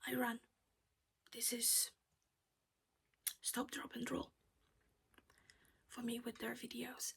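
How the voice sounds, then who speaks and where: A woman's voice: a little high, little pitch movement, slow pace, creaky, long pauses, a bit bright, husky. A woman whispering her way through a casual cross-stitch project chat at home while losing her voice.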